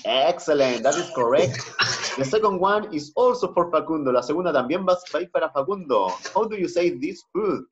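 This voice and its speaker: A man with a Chilean accent teaching an English class online, switching between slow English and Spanish explanations. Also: fairly high pitch, expressive, noisy background. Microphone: video call. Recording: muffled video-call audio.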